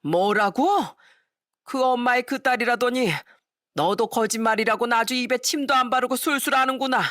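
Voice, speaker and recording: Lady reading as an angry old dad-in-law yelling at his family, dry close voice. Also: a little high, moderate pace, no echo, pitched above the performer's own voice, close to an everyday voice. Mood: furious. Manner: shouting angrily, then sobbing. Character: remorseful old father-in-law, furious then weeping.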